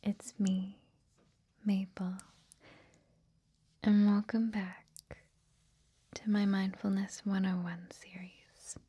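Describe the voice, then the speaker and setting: Female ASMR meditation guide: soft whisper, mellow and even-toned, gentle and reassuring. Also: mid-range voice, breathy edge. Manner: gentle, slow, hushed, reassuring. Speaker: host of a guided meditation series.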